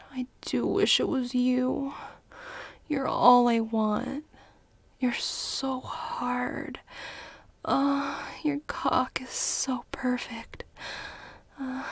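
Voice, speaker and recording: A young woman whispering and pleading softly into a close microphone in an adult audio roleplay. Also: fairly high pitch, no room sound. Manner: mostly whispered, pleading and breathy.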